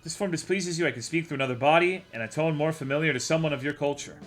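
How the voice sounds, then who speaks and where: A man voicing an ancient tentacled plant monster, a male soul collector who talks with a slow, put-on cowboy drawl. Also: on the high side, natural voice. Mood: coaxing.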